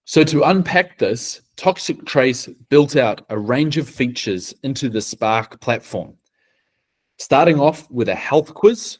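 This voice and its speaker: New zealand guy presenting a project, talks real slow and careful, mid pitch. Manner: deliberate, measured delivery. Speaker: team presenter.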